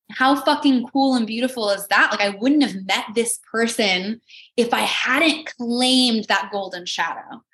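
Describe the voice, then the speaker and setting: A woman's voice: on the high side, bright, forceful tone, echoey room. A woman hosting a personal spiritual coaching podcast, talking in an earnest, encouraging manner. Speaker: podcast host.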